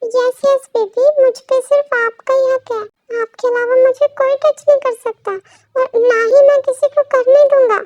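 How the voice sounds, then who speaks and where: A woman's voice: extremely high pitch, steady tone, unhurried, a little mellow, dry recording, dull audio, soft background music, voice pushed up. A woman voicing a playful young husband who teases his partner and then begs her forgiveness, in a pleading, coaxing manner. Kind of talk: storybook role reading.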